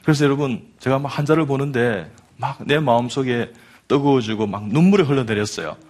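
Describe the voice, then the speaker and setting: A man's voice: mid-range voice, fairly quick, darkish tone. A man in his fifties, a doctor, giving a fervent Christian testimony to a studio audience, speaking emphatically and addressing listeners directly. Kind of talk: preacherly testimony speech.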